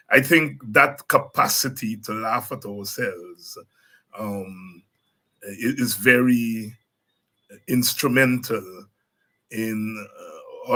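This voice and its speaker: A Guyanese man hosting a political talk show, speaking in a relaxed, animated way with laughing asides and frequent restarts. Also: on the low side. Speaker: host. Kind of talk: casual political commentary.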